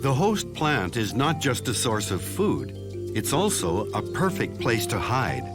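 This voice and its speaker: A man delivering scripted nature documentary narration in a measured, explanatory way. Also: mid-range voice, huge pitch swings, over loud music.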